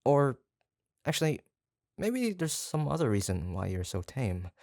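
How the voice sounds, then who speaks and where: An obsessive yandere kidnapper from a roleplay audio drama, acted by a voice performer, speaking slowly in a creaky, fry-laden voice. The delivery is doting and possessive, yet awkward and hesitant, rambling along in a close, dry recording. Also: medium pitch, no room sound, full character voice. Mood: puzzled, jealous. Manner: hesitant, rambling, soft-spoken menace with nervous chuckles.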